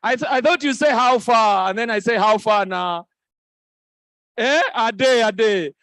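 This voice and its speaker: A man hosting a live event on stage, playful and quick to laugh as he teases the crowd into repeating greetings. His voice sits high for a man. The sound is dry and close, with little room echo. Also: fairly bright tone. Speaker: event host. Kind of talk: lively crowd interaction. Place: conference hall stage.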